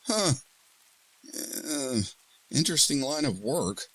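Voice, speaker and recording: A man's voice: medium pitch, big pitch swings, slow, fairly bright tone, breathy edge, no room sound, pitched above the performer's own voice, heavily acted, low-quality recording. A man voicing a shaken, incredulous young man, by turns panicked and sarcastic. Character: frightened, angry young man at his lowest.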